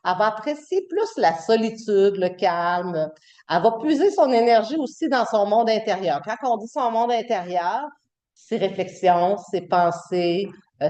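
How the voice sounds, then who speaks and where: Guest lecturing in a university classroom, a middle-aged Québécois French-accented woman talks in a chatty way, restarting often and using lots of fillers. Her voice sits mid-range, relaxed and mellow, in an echoey space.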